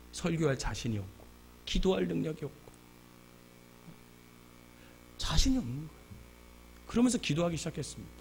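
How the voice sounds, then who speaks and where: A male pastor preaching a sermon, telling a personal story with sudden loud bursts and quiet asides. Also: fairly high pitch, a little hiss or hum.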